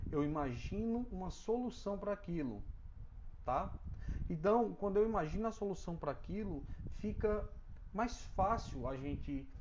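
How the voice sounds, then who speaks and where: The speaker is soft-spoken and goes at a fairly slow pace. Long pauses come often. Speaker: teacher. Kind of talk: online class livestream.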